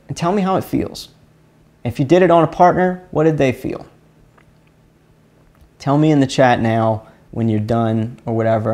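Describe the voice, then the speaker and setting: Hosting a live stream on energy healing, a man with a Chalmette-area Louisiana accent walks viewers through a hands-on exercise in a casual, rambling way, fumbling and often repeating himself. His voice is fairly high with a dark tone.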